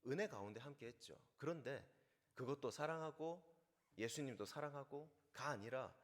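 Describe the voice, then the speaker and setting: A male pastor delivering a sermon, his pitch rising and falling with great life. He tells stories and slows down deliberately for key phrases. The voice rings out with a long reverb, as in a church hall. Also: expressive. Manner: storytelling, slows down for quotes.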